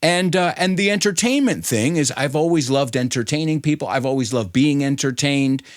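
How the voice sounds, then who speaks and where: A middle-aged man from the United States, raised bilingual in English and Spanish, talking in an animated, chatty way with many fillers as an interview guest. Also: a little high, normal speed, no room sound, clean studio sound. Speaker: ESL educator and podcast host, guest. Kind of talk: casual interview talk.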